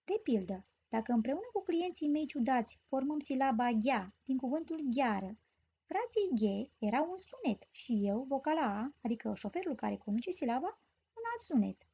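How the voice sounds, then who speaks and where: High-voiced woman telling a grammar story. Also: expressive, mellow. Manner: clear, explanatory storytelling. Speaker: teacher. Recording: dull lo-fi recording.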